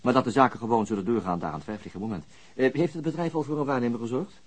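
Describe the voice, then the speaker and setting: An actor playing a polite, probing police detective with a hesitant way of questioning, in a radio drama. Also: male voice, mid-range voice, very fast, breathy edge, lightly acted. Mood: tactful, hesitant. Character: persistent, polite police detective on a murder case. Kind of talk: Dutch radio drama dialogue.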